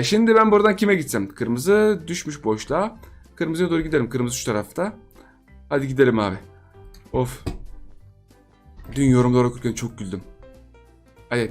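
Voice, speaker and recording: A man giving playful gameplay commentary for his channel, chatty and laughing often as he talks straight to his viewers. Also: medium pitch. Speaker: gaming channel host.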